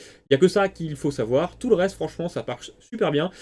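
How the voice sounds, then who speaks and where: A man talks fairly quickly, his pitch varying in an ordinary way, on a very clean recording against a silent background. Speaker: phone repair technician / YouTuber. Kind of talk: repair tutorial. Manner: fast.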